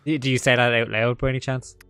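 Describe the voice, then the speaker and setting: A man narrating as game master, talking in a halting way full of fillers and restarts. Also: mid-range voice, little pitch movement, fairly bright tone, clean tone, dry recording, soft background music.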